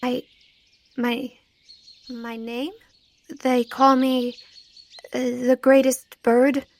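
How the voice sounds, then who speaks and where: A woman's voice: sits high, level tone, drawn-out words, a little mellow, pitched above the performer's own voice, heavily acted. A woman voicing a timid, caged female talking bird in a tabletop game, speaking hesitantly and repeating words. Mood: shy, earnest.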